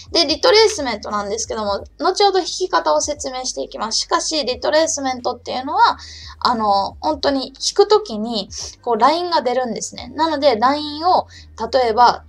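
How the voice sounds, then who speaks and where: Woman host, chatty live-stream trading lesson, raised voice with a gravelly edge, throat just getting better. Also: sits high. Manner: chatty, talks to herself and reads chat aloud; calls herself by name in the third person. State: recovering from a sore throat. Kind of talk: casual live-stream explanation.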